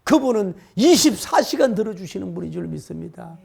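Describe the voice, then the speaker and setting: A middle-aged man preaches a sermon in a high, gravelly voice. He presses his congregation with repeated rhetorical questions and emphatic turns. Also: very animated, brisk, a little mellow. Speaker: pastor.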